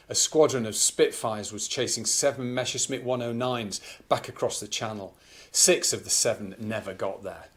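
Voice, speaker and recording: A man presenting, reading old news aloud and adding conversational, explanatory asides. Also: fairly low pitch. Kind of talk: reading aloud with informal commentary.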